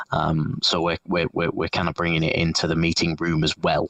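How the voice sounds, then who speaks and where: A voice in a North Yorkshire accent at a moderate pace, with fairly even intonation and very even loudness, in a dry, close sound with no echo. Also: man. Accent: northern Yorkshire English. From northern England, Yorkshire. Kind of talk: podcast interview. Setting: call, remote.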